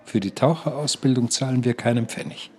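An actor playing an elderly, naive care home resident in a radio play, earnestly and haltingly talking up his situation. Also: medium pitch, fairly even intonation, a little mellow, close to an everyday voice. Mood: doggedly upbeat. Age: older. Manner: earnest, halting, repetitive persuading. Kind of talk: German radio play acting.

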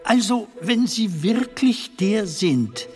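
A man's voice: high voice, expressive, slow pace, soft background music, full character voice. A man playing a modest, bewildered comedian in a theatrical drama, speaking politely and hesitantly. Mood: unsure, polite. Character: mild, modest, bewildered comedian from a later century. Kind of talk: theatrical German dialogue drama.

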